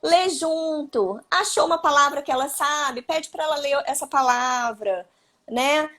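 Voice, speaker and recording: Brazilian woman psychologist with a high voice, explaining calmly over a phone live stream. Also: a little slow. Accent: Brazilian Portuguese. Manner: explanatory, with frequent tag questions. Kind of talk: live-stream talk giving parenting advice. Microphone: phone or video call.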